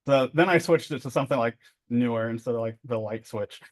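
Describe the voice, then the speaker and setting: A man's voice: medium pitch, fairly quick. A middle-aged man giving a casual workshop lecture as a therapy trainer, chatty and joking, with many fillers and tag questions.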